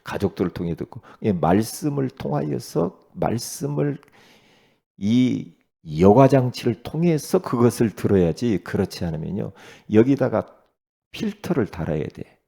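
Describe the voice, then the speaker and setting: A male pastor delivering an early-morning sermon in a gravelly, husky voice. His delivery swings widely in pitch, with frequent rhetorical questions tossed to the congregation. The tone sits dark and mellow. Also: very animated, unhurried.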